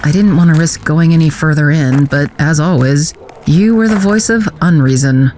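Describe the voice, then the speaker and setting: Actress as wry, guarded woman with a lowish voice. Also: normal speed, noisy background, natural voice. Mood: recounting. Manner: dry, sardonic. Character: wry, guarded woman recalling a youthful misadventure. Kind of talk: audio drama narration and dialogue.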